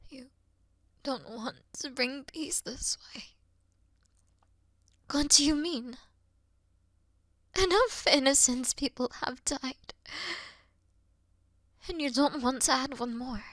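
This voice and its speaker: A woman playing a weary, noble and gentle demon queen in a fantasy audio roleplay, speaking earnestly in a breathy, hushed way. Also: sits high, no echo, studio quality. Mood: anguished pleading. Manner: solemn, slow, earnest, breathy hushed delivery.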